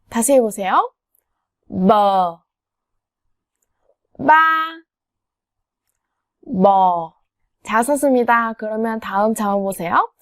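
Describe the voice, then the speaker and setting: Slow, dry-voiced woman teaching pronunciation. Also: a little high, a little mellow. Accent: Vietnamese. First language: Vietnamese. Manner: repeats sounds slowly for learners to echo. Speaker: language teacher.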